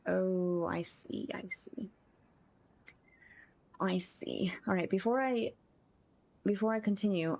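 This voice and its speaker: A woman's voice: mid-range voice, creaky, a little mellow. A woman livestreaming a game, chatting casually and effusively with her viewers and thanking them often. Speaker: game livestreamer and content creator. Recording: music playing behind the voice. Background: music.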